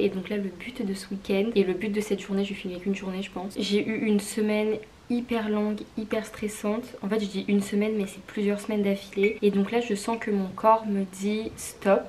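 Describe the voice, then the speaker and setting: A young woman talks casually to her viewers. Her pitch is mid-range and stays quite even, and she sounds informal and confiding. There is slight noise behind her voice. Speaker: vlogger. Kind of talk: casual chat to camera.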